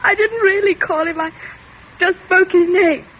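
An actress playing a frightened, hysterical young daughter who answers in a trembling, tearful voice, in 1940s radio drama style. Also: female voice, extremely high pitch, normal speed. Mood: shaken. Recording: tinny old radio broadcast with hiss.

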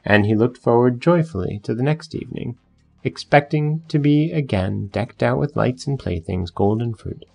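A man narrating a fairy tale in a measured, gentle storytelling manner. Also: mid-range voice, gravelly.

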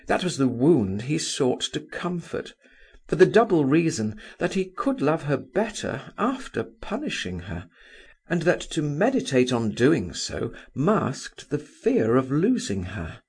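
A man reading a literary novel as an audiobook, measured and expressive. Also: on the high side, husky. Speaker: audiobook reader.

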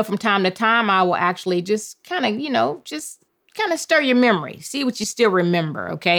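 A woman hosting a podcast Bible lesson, leading call-and-response memorization with drawn-out phrases. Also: medium pitch. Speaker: podcast host and Bible teacher.

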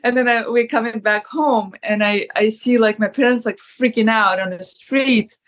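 A woman from Ukraine with a Ukrainian accent, an actress telling lively stories in an interview, often saying "like". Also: fairly high pitch, moderate pace. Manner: lively storyteller, laughs often, many "like"s. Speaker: actress, guest. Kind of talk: casual interview.

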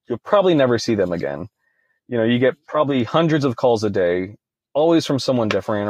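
A young man, a podcast guest, tells a story in a casual interview, speaking in a mid-range voice and leaning heavily on "you know." The recording is dry and close, with no room sound and the highs cut off.

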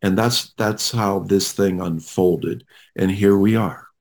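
Low gravelly male interview guest. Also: steady tone, darkish tone. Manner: halting, many fillers, friendly. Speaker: ministry leader guest.

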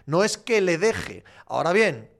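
Lively Asturian man, sports chat. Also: high-pitched, a little slow, creaky. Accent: Asturian Spanish. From Asturias, Spain. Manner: animated, swears, acts out shouting fans. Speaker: sports journalist answering viewer questions. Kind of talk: casual live chat.

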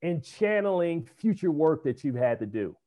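A man interviews a guest in a relaxed, chatty way, tossing in casual asides as he asks his questions. His speaking voice sits a little higher than most men's. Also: moderate pace. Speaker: interview host.

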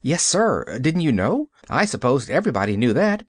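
A man's voice: mid-range voice, big pitch swings, moderate pace, no echo, clean studio sound. A man voicing an eager, chatty little girl who talks earnestly and hopefully.

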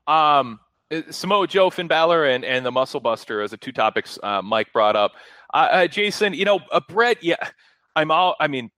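A man hosting a casual talk radio show in a wordy, halting, rambling way. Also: medium pitch, pushed and bright, dry recording. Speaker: show host.

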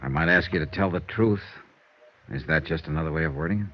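A man's voice: very deep voice, quick pace. An actor playing a tough, wry male insurance investigator in a 1950s radio drama, narrating and talking in a dry, matter-of-fact way. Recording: dull old radio broadcast with faint hiss.

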